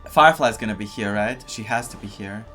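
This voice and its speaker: A man's voice: lowish voice, a little fast, a bit bright, soft background music. A man doing casual gameplay reaction commentary, muttering to himself and to the game as he plays. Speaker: game streamer.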